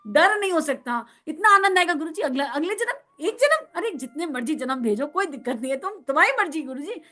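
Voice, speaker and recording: A woman spiritual counsellor giving a devotional talk, animated, acting out little dialogues and laughing often. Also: high voice.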